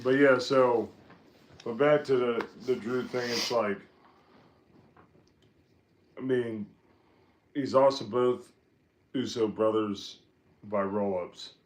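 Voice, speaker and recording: A man co-hosts a casual live stream chat, speaking in an unhurried, drawn-out way. His voice sits at a middle pitch and stays blunt and dry. He gives his opinions flatly and briefly. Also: a little hiss or hum. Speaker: co-host.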